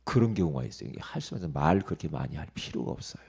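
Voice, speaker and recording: A male pastor giving an early-morning sermon, emphatic and lively, asking the congregation rhetorical questions and dropping into quiet asides. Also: rumbling low, rapid-fire, vocal fry, slightly rough.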